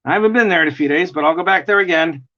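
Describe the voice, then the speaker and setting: A man with a gravelly voice and a New York accent, chatting in a rambling way while he draws on a livestream. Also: fairly high pitch, rapid-fire. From United States. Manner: chatty, rambling, chuckling often. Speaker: artist livestreaming a drawing session. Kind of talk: casual chat while drawing. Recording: dull lo-fi stream audio.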